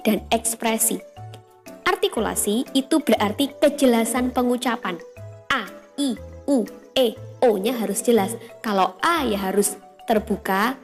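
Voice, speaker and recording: A woman's voice: on the high side, a little mellow. A woman primary school teacher giving a patient lesson to young children, explaining step by step with frequent "ya" and "nah". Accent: Indonesian. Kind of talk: online class lesson for children.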